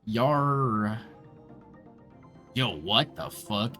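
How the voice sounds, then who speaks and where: A woman's voice: a bass voice, animated, very slow, a bit bright. A woman live-streaming a game, reacting and chatting casually in a slangy, exclamatory way. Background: game music.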